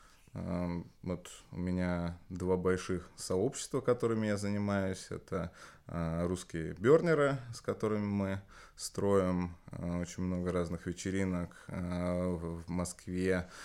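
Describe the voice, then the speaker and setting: On a very clean recording with a silent background, a man speaks very slowly in a very deep, low voice. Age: 30s. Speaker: former banker turned party organizer. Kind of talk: casual chat.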